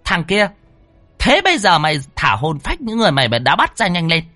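A man's voice: sits high, huge pitch swings, brisk, bright, forceful tone, no echo, faint music behind, voice pushed up, exaggerated voice. A man voicing a fat, fierce old woman exorcist in a horror story, scolding and threatening in coarse bursts. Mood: scolding threats.

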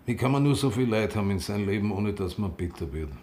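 In a radio drama of monologue and dialogue, an actor with a Viennese Austrian accent plays an ageing, defiant gay activist recounting his grief. His lowish, darkish voice is animated and fast, the mood sombre and mourning. Music and slight noise sit in the background.

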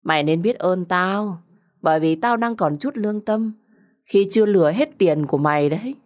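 A woman's voice: on the low side, lively intonation, moderate pace, a little mellow, natural voice. A woman acting a smug, sarcastic, treacherous young woman. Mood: smug, mocking. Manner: sarcastic, taunting, condescending.

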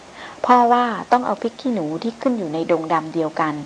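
A woman voicing a wild young male jungle tracker who speaks flatly in a low murmur. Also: a little fast, slight background noise, lightly acted, poor audio. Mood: deadpan. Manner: flat, low-murmured speech.

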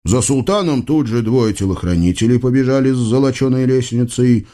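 A man narrating an audiobook in an expressive, ironic, conversational way. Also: mid-range voice, brisk.

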